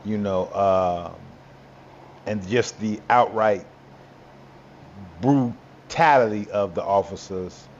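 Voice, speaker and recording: A man co-hosting a podcast who talks over serious topics in a halting, reflective way, searching for words. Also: on the low side, dull audio, a little hiss or hum. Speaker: podcast co-host. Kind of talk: casual political talk.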